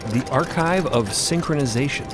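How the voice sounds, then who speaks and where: A man's voice: on the high side, moderate pace. A man narrating a scripted audio drama as a storyteller. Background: music bed.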